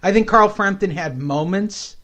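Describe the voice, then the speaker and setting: A man's voice: high-pitched, normal speed, fairly bright tone. Wisecracking man hosting a podcast. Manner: rambling, wisecracking. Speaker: podcast host. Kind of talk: casual chat.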